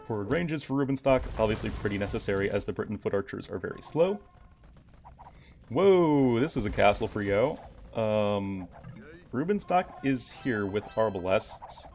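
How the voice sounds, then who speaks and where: A man's voice: lowish voice, expressive, moderate pace, darkish tone, faint music behind. A young man casually commentating a strategy game on his live stream, chatting with his viewers. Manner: casual, chatty, reacts to chat. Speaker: game caster.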